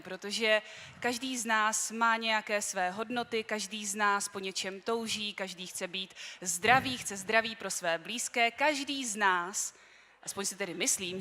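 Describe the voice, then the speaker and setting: A woman's voice: mid-range voice, bright, forceful tone, a little hiss or hum. A woman from the Czech Republic, formally welcoming the audience as stage host at an event. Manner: measured, welcoming. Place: large hall on a stage. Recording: long hall reverb.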